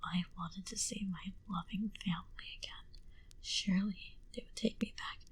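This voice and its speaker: A woman playing a wistful female vampire in an ASMR roleplay, confiding her backstory in an intimate, breathy whisper. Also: medium pitch, fairly even intonation. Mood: grave, confiding. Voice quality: breathy, mostly unvoiced whisper. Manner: slow, intimate, confiding delivery.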